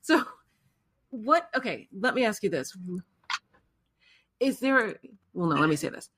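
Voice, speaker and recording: A woman's voice: medium pitch, sing-song, unhurried, fairly bright tone, a little hiss or hum. A woman hosting a podcast interview, speaking in a hesitant way and correcting herself as she goes. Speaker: podcast host. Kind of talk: casual interview chat.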